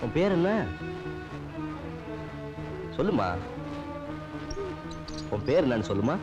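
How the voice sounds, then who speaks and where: An actor playing a male doctor who gently coaxes and reassures a frightened patient. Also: medium pitch, very animated, slow, highs cut off, music in the background. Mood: coaxing. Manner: coaxing, reassuring.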